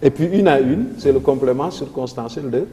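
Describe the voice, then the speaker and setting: A man with a Senegalese French accent, a teacher explaining poetry and rhythm on a televised revision lesson, reciting lines of verse slowly. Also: mid-range voice, dark tone, big-room sound. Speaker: literature teacher.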